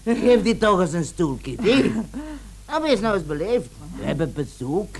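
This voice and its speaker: A woman's voice: fairly low pitch, sing-song, moderate pace. An actress playing a brazen middle-aged mother, bossy and teasing, in a Dutch radio play. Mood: mocking amusement. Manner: teasing, prone to cackling. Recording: old radio recording, faint hum.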